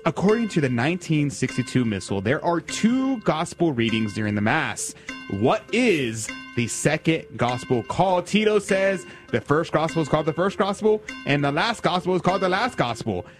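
A man's voice: a little high, very animated, normal speed, soft background music. A man hosting a call-in radio quiz, teasing and upbeat. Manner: teasing, playful quizmaster. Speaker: radio host.

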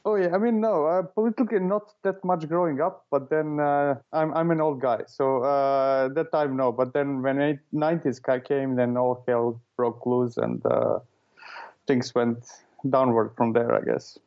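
A man's voice: mid-range voice, steady tone, measured pace, muffled recording. A man from Serbia answering interview questions casually, with hesitant talk full of fillers and restarts. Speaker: guest, author and consultant.

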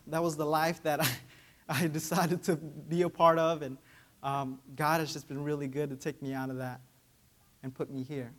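A young male preacher whose first language is Vietnamese, speaking in a somewhat high voice. He preaches in a loose, conversational manner and keeps checking in with the listeners through tag questions. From Vietnamese American, raised in Georgia. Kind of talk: sermon.

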